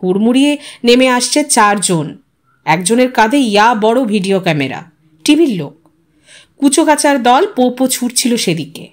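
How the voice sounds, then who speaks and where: A woman's voice: a little high, sing-song, moderate pace. A woman reading a story aloud as a scripted audiobook narration.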